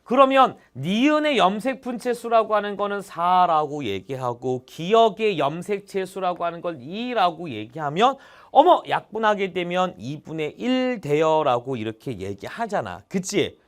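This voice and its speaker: Animated, high-pitched male tutor. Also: moderate pace, hardly any pauses. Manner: chatty, checks in with students constantly; animated, exclaims mid-explanation. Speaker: biology tutor. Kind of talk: online exam-prep lecture.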